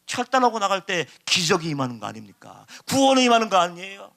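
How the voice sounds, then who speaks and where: A man preaching a sermon as pastor, impassioned and dramatic, acting out shouted pleas. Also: high-pitched, big pitch swings, fast, vocal fry.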